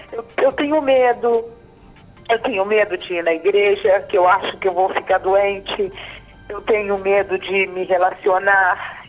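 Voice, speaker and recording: A woman in her fifties calling in live to a TV program, halting and repeating herself as she tells of her fears. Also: mid-range voice, rough recording. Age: 50s. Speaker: caller. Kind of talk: live phone call to a TV program.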